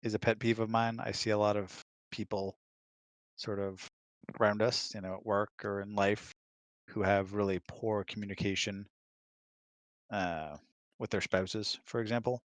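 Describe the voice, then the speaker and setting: A man chatting casually, explaining his views in a measured, reflective way. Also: fairly low pitch, little pitch movement, no room sound. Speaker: guest, husband of the host. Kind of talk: casual chat.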